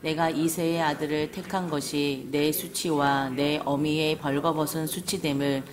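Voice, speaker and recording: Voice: medium pitch, flat delivery, unhurried, a crowd in the background. A church congregation reading a Bible passage aloud together. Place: church sanctuary. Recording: group of many voices in a church.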